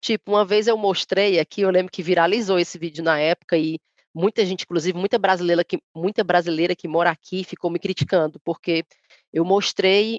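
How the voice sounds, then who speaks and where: A woman with a fairly low pitch talks at a fairly quick pace and keeps her intonation fairly even, and the sound is dry and close with no echo. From Ceará, Brazil. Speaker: content creator. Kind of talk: casual chat.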